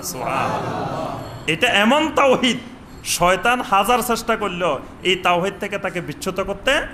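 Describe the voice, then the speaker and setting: A man preaching a sermon in a mosque, chanting Arabic phrases slowly and questioning his listeners. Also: on the high side, bright, forceful tone, slight background noise. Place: mosque with upper floor and veranda.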